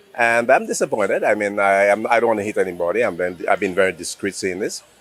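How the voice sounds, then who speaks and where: Talking at a very fast pace, a man speaks with a Saint Lucian accent. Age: 60s. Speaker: singer. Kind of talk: interview. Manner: animated.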